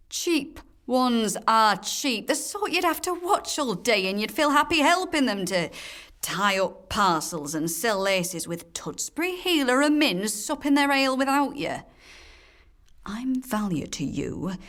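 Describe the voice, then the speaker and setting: An actress as a blunt, lively daughter. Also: female voice, fairly high pitch. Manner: firm, forthright, bargaining. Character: blunt, strong-willed working-class northern English daughter standing her ground. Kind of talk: theatrical radio drama monologue.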